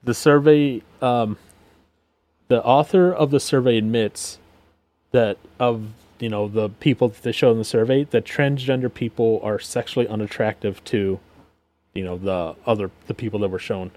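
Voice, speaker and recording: A man's voice: fairly low pitch, fairly even intonation, moderate pace, mellow. A man co-hosting a casual commentary chat, sarcastic, reading headlines and figures aloud with lots of fillers. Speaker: podcast co-host.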